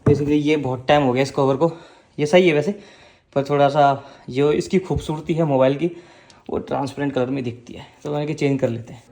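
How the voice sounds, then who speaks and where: A man's voice: on the high side, steady tone, brisk, a little mellow, no echo. A man vlogging at home, chatting casually to viewers and giving advice. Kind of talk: casual family vlog chat. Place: at home indoors.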